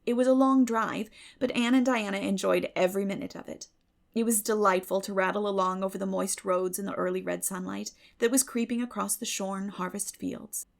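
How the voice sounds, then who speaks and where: Creaky-voiced woman narrating a story. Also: mid-range voice, steady tone, brisk. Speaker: audiobook narrator. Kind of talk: scripted dramatic story narration.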